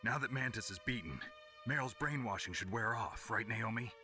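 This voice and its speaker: Hardened male soldier for a video game: deep, hard-edged, terse and gruff. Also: expressive, normal speed, pushed and bright, faint music behind. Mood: grim, terse. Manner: terse, tough.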